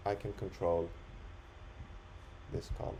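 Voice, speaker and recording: A man talking through an unscripted screen-recorded software demo, explaining it step by step in an instructional way. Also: low voice, level tone, slow pace, slight background noise, poor audio. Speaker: software demonstrator.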